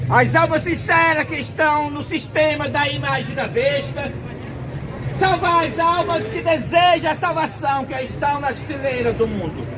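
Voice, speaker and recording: Brazilian guy preaching outside, high voice, real slow and emphatic, cars going by. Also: a crowd in the background. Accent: Brazilian Portuguese. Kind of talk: sermon. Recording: outdoor traffic noise behind.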